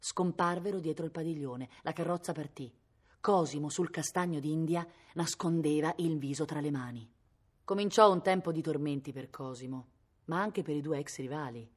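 A woman's voice: low voice, normal speed. A woman from Italy reading a novel aloud expressively, her voice rising with the drama. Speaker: reader.

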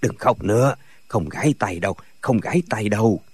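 A man playing a flustered older sect leader who coaxes and apologizes in a lowered voice. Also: animated, normal speed, a little mellow, husky, no echo. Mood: coaxing.

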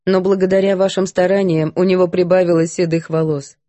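A woman voicing a composed, firm governess who speaks calmly and evenly, a little lower. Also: no echo, lightly acted. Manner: calm, measured, composed. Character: calm, firm older English governess.

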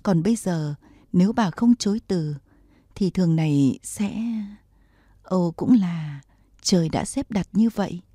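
A woman's voice: on the low side, a little slow, dark tone, dry recording, clean studio sound. Woman reading as a smug scheming court official. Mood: wheedling. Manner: smug, wheedling persuasion.

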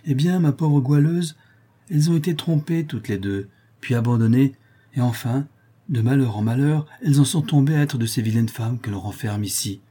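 A man's voice: mid-range voice, moderate pace, husky, close to an everyday voice. A man reading an audiobook aloud, voicing a cheerful, talkative young Parisian seamstress. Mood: chatty. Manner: lively, affectionate, talkative.

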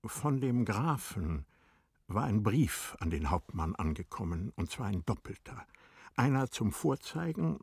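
Guy narrating a classic novel radio play, husky low voice, very dry close sound, measured. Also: no room sound.

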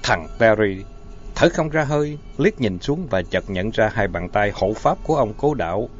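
A man narrating an audiobook story with an expressive, dramatic reading. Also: fairly low pitch, moderate pace. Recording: dull lo-fi audio, faint music.

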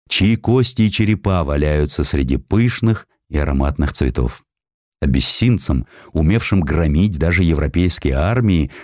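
Guy narrating a history audiobook, super deep voice, really dry sound, measured but expressive. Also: no echo. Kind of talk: scripted narration of a historical sketch.

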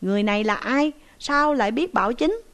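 A formal, polite constable from an old storybook, courteous toward the headman, as a woman narrator voices him. The voice stays somewhat high for a man. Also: animated, a little fast, fairly bright tone. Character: male constable, official and formal.

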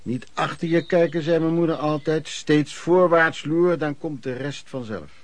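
A man's voice: fairly high pitch, measured pace, no room sound, lightly acted. Actor as dry-sounding colloquial man telling his life. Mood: plain reminiscing. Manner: colloquial, storytelling, clipped phrases. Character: man recalling his hard, hopeful youth as street trader. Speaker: narrator. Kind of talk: first-person radio play narration.

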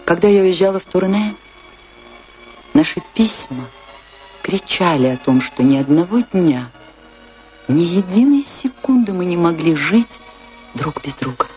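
An actress playing a passionate dancer in a radio play, with a theatrical, tender and measured delivery. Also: female voice, lowish voice, animated, darkish tone. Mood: wistful, tender. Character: Isadora, passionate woman dancer recalling her great love. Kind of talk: radio play narration and dialogue. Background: music behind the voice.

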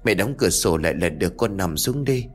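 A man's voice: low-pitched, lively intonation, a little fast, faint music behind. A man voicing a worried old grandmother who heads the family, weary and scolding.

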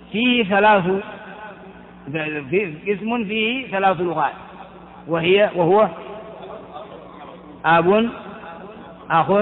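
Man teaching grammar in an echoey hall. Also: sits high. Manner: asks the class questions and answers them himself; slow and deliberate, repeating key terms. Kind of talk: classroom grammar lesson. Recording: tinny phone-like audio in a reverberant hall.

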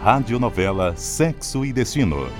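Locutor brasileiro de entonação bem variada. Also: male voice, medium pitch, sing-song, moderate pace, over music. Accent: Brazilian. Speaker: radio announcer. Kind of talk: scripted announcement, reading credits.

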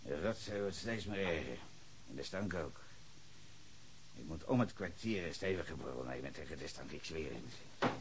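An actor playing a hostile, cursing bar owner in his fifties in a radio play, shouting and then muttering. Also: very deep voice, animated, normal speed, pauses often, a little hiss or hum. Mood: grumbling. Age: 50s. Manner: cursing, ranting, swings between shouting and muttering. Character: foul-mouthed hostile older male bar owner, drunken ranter.

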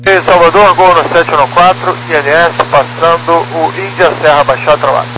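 A man speaking as a pilot over the aircraft radio, his voice sitting a little high and sounding distant. He talks in terse, clipped readbacks, and loud static and hiss bury much of the transmission. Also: fairly even intonation, normal speed. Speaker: airline pilot. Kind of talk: clipped aviation radio phraseology. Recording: noisy, distant air-band radio.

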